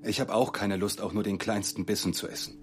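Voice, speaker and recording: An actor playing a caring husband and worried father in an audio drama, gentle and reassuring. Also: fairly low pitch, steady tone, brisk, lightly acted. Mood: coaxing, concerned.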